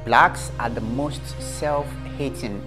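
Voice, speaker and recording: A male host opens the show in an upbeat, welcoming way. He speaks at a measured pace and at a middling pitch. Music plays under his voice. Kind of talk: hosting an interview.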